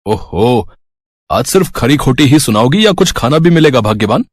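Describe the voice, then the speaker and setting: A man's voice: mid-range voice, big pitch swings, moderate pace, dry recording, clean studio sound. A man voicing an easygoing, teasing middle-aged father and husband in a storybook tale. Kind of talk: storybook voice acting.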